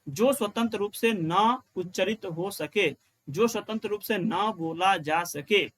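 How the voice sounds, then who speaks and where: A man's voice: high-pitched, fairly bright tone. A male teacher giving an exam-prep grammar lesson, explaining step by step, repeating key lines and asking questions he answers himself. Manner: chants rules in a slow sing-song.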